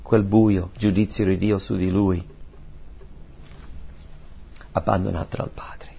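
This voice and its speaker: A man preaching a sermon, emphatic and repeating key phrases, swinging between soft lines and loud ones. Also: deep voice, flat delivery, slow pace, vocal fry, breathy edge.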